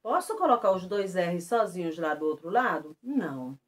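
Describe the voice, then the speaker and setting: A Brazilian woman teacher giving a lesson to schoolchildren, stressing example words slowly and clearly. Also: fairly low pitch. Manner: lively, slow and emphatic on example words. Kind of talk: remote lesson for children.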